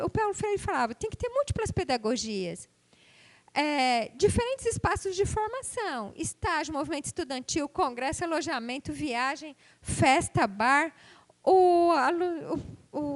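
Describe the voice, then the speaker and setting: Middle-aged professor from Brazil, a woman, lively pitch, lecturing in a conversational way. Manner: conversational, rhetorical questions, tag questions. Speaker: university professor giving a conference talk. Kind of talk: academic conference lecture.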